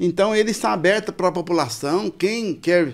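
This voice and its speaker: Against a silent background on a very clean recording, a man with an unremarkable speaking voice talks at a moderate pace and fairly high pitch. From Minas Gerais, Brazil (Triângulo Mineiro). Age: 60s. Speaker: local government official and journalist. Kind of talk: podcast interview. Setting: podcast studio.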